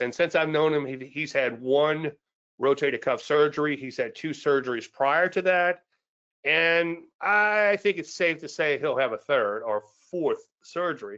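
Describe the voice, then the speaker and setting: A man's fairly high voice with ordinary pitch variation, a plain, everyday voice. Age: 60s. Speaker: trading educator. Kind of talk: live webinar chart analysis. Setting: live online presentation. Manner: casual, conversational.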